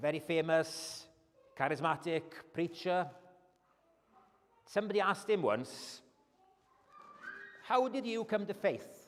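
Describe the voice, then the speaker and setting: Lively intonation in a Welsh accent, at a fairly slow pace with long, frequent pauses. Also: man, high pitch for a man. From Wales. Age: 50s. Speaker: lay preacher, school teacher. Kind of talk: sermon. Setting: church evening service.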